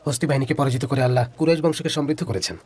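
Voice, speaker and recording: A man's voice: medium pitch, rapid-fire, a little mellow, slightly rough, natural voice. A man voicing a questioning tribal elder in a dubbed drama, with a demanding manner. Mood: probing.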